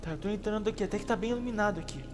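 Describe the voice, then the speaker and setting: A man with a Brazilian accent doing a dramatized game role-play, excitable and theatrical, often repeating his phrases. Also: high voice, very fast, over loud music. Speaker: gaming video creator playing a scared explorer.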